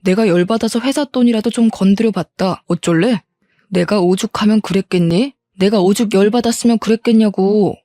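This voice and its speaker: A woman's voice: medium pitch, normal speed, mellow, no echo, close to an everyday voice. A woman voicing a bitter, self-pitying middle-aged husband in an audio drama, who swings between begging and defiance. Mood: defiant.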